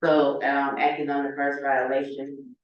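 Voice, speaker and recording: A man chairing a city council meeting, moving through agenda items in a halting, procedural way. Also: mid-range voice, completely flat delivery. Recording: dull echoey chamber audio from far off.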